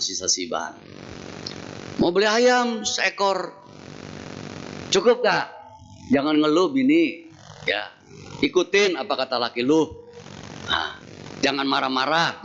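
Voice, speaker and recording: Male Buddhist preacher, unhurried comic storyteller who acts out voices; dull lo-fi temple-hall recording. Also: medium pitch. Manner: animated, acts out quoted dialogue in shifting voices. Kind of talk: humorous sermon storytelling. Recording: dull lo-fi sound with faint noise.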